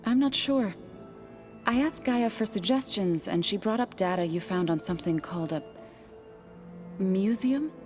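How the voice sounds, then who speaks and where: A gentle tribal woman from a video game, played by an actress, curious and devoted to nature. She talks earnestly and carefully at a medium pitch, a little formally. Soft music runs behind her. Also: expressive, normal speed, pauses often, natural voice.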